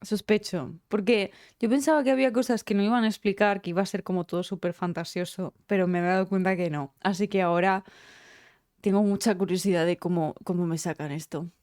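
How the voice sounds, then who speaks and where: A woman's voice: medium pitch, steady tone, fairly quick, a little mellow, dry recording, studio quality. A woman with a Spain Spanish accent chatting casually on a live stream, teary after crying, emotional and rambling and swearing freely. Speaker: game streamer.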